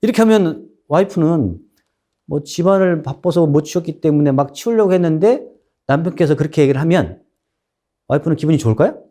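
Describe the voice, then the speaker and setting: A man's voice: on the high side, a little fast. A man giving a lecture on speaking kindly, weaving in stories. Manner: animated, storytelling. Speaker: instructor. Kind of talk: lecture with storytelling.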